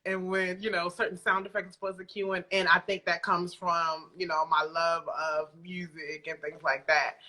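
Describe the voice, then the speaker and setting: A woman speaking as an interview guest on a remote call, informal and reflective, often halting as she works out her answers. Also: lowish voice, little pitch movement, bright, forceful tone. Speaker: guest, audio drama creator. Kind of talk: casual interview chat. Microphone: remote video call.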